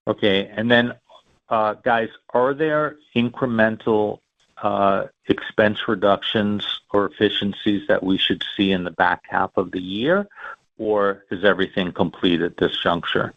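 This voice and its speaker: A man's voice: lowish voice, fairly even intonation, unhurried, no room sound. A man speaking as an analyst, putting conversational questions to executives on an earnings call. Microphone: phone or conference line. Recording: dull, dry call audio.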